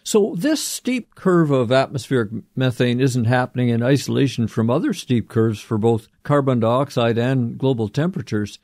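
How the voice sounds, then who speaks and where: A man hosting a radio interview, asking measured, curious questions. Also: medium pitch, expressive, a little mellow, no echo, clean studio sound. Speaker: radio host.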